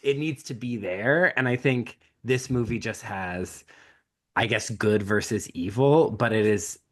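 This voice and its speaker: A man's voice: lowish voice, unhurried. A man hosting a podcast, talking casually through his thoughts on film. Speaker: podcast host.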